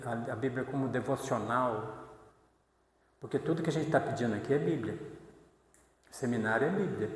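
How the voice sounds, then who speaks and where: A man preaches in an easy, talking-to-you manner, checking in with the congregation as he goes. His voice sits in the middle range. The sound rings with long echo through a large church hall. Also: mid-range voice. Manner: conversational, tag questions. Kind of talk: sermon.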